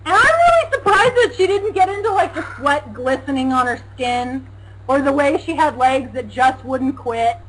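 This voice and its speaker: A young woman co-hosting a casual talk show, loud and animated, often laughing and mocking. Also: high voice, normal speed, noisy background. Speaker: co-host.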